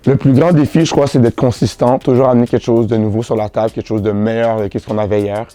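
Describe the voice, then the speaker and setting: A young man with a Québécois French accent, answering interview questions in a relaxed, slangy way, often restarting his sentences. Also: mid-range voice, fast, dry recording. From Montreal, Canada. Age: teens. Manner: relaxed, slangy, repeats himself with many restarts. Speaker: boutique founder, interviewee.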